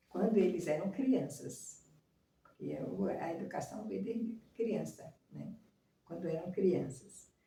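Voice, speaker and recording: Recorded with audible room echo, a woman with a fairly low pitch and vocal fry speaks at a very slow pace, using lively intonation and big swings in loudness. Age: 60s. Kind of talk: informal sermon. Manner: halting, with frequent fillers.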